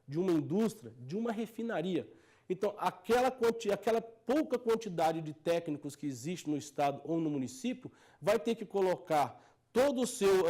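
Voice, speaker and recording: High-voiced Brazilian man lecturing earnestly. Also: warm tone. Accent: Brazilian Portuguese. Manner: earnest, drives points home with repeated phrases. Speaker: technical advisor giving a lecture. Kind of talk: explanatory lecture to farmers.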